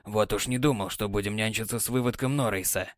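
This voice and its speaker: A man voicing a weary, gruff sea captain. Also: fairly quick, dry recording, studio quality, close to an everyday voice. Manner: low, sighing and muttering. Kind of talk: audiobook character voice.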